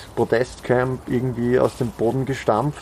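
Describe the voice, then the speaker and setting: A man's voice at a medium pitch. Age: 20s. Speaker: student climate activist. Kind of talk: interview. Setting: food tent at outdoor protest camp, face mask.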